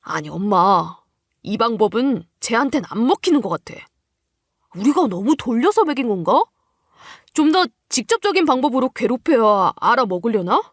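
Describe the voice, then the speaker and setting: A woman's voice: a little high, sing-song, normal speed, no echo, studio quality. A woman voicing a callous, grumbling husband and mother's boy in a dramatized story, with dismissive delivery.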